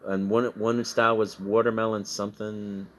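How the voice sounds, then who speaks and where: A man's voice: on the low side, flat delivery, moderate pace. A man with a Midwestern American accent, chatting casually in a rambling way about items he resold. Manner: rambling, chatty, laughs at himself. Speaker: online reseller. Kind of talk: casual sales recap chat.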